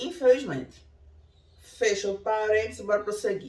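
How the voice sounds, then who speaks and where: The tone is animated. The speaker has a Pernambucan accent. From Pernambuco, Brazilian Northeast. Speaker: relationship advice YouTuber. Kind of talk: casual commentary between passages of a read-out listener story.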